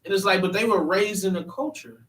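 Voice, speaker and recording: Man host of a church panel, emphatic and earnest, a touch high, echoey and off-mic. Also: brisk, a bit bright. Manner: earnest, emphatic, often restarting sentences. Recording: echoey room, mic at a distance.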